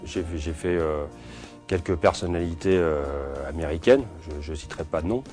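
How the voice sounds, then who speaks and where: A man in his forties, born in Portugal, with a very low voice. He answers interview questions slowly and haltingly, restarting phrases and filling pauses. Soft music sits faintly under his speech. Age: 40s. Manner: hesitant, many fillers and restarts. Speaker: security company owner.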